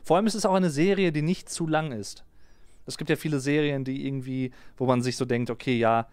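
A man's voice: mid-range voice, a little fast, darkish tone, clean tone, no echo. A man in his thirties from Germany, chatting casually on a live stream, reading out and answering viewers' comments. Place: small home streaming room. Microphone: close desk mic on a boom arm.

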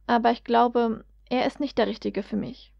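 A flustered young woman, as a woman reader voices her, talking quietly and earnestly with a slightly high pitch. The sound is dry and a bit muffled, like a homemade audio reading. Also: steady tone, moderate pace, gravelly, no room sound. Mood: troubled. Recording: dull, dry lo-fi recording.

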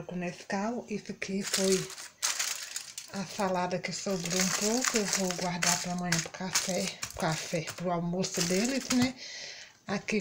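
A middle-aged Brazilian woman talks chattily to the viewers of her home vlog, filmed on a handheld phone in her kitchen. Her voice sits at an ordinary middle pitch. Loud clattering of dishes and pans runs under her speech. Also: very noisy. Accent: Brazilian Portuguese. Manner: chatty, addresses viewers as "gente". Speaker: vlogger. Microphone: handheld phone camera.

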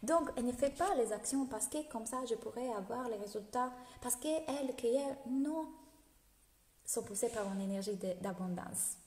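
A fairly high-voiced woman in her thirties speaks French with an Italian accent, chatting lively and laughing as she coaches her followers live. She talks into a phone held at arm's length at home. The room is echoey, with a long reverb trailing her words. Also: normal speed. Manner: lively, laughs often, greets viewers' comments. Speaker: business coach. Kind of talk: live video talk to followers.

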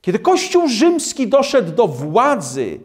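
A man preaching a sermon on scripture in a slow, emphatic way, with dramatic drops in his voice. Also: high voice, huge pitch swings.

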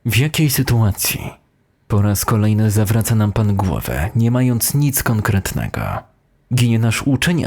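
A man's voice: on the low side, darkish tone, husky. A man voicing a sardonic, confrontational deputy headteacher in an audio horror story. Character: sarcastic, combative male deputy headteacher.

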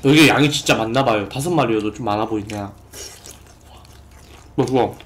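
A man's voice: lowish voice, normal speed, fairly bright tone. Young man politely answering stream viewers. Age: young adult. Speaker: mukbang streamer. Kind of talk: casual chat, reading viewer donations. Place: small room indoors at a food-covered table.

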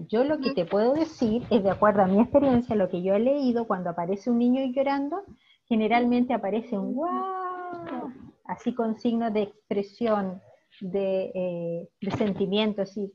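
A woman teacher with a Chilean accent giving an online class, praising her students warmly and explaining patiently. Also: mid-range voice, a little hiss or hum. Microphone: video call. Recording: dull lo-fi video call audio.

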